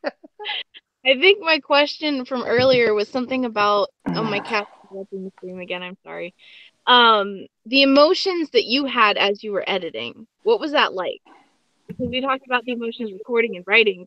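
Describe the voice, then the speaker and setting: Higher-voiced woman hosting, slightly muffled. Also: expressive, moderate pace. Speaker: guest host interviewing. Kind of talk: casual podcast chat.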